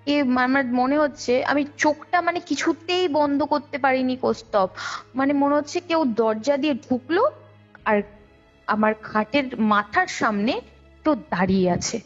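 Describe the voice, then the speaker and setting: A young woman speaks in a fairly high voice on a dull, lo-fi call recording. She recounts a personal ghost story in a conversational way, detailed and repetitive, with music playing underneath. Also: measured pace. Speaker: guest, caller. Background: background music.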